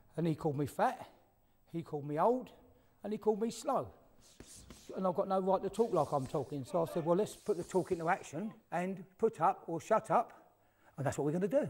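Speaking at a fairly quick pace, a man uses a high pitch and lively intonation. His delivery has long, frequent pauses. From Britain. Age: 70s. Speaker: amateur boxer. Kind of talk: TV feature narration and talk. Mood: playful bravado.

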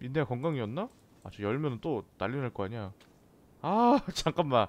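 Medium-pitched male voice, animated in tone, with lively intonation and a fairly slow pace. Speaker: game streamer. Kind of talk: casual gameplay commentary. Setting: recorded at home, playing a video game. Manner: talks to himself, informal, animated.

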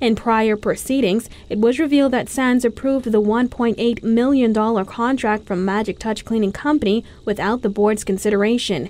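Speaking in an ordinary speaking voice, a woman has a fairly high pitch and fairly even intonation. She keeps a moderate pace with hardly any pauses. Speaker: news reporter. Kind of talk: news reading.

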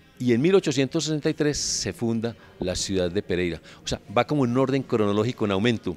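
There is music in the background as a man speaks. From Colombia, coffee region (Manizales). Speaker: travel agency representative. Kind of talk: interview.

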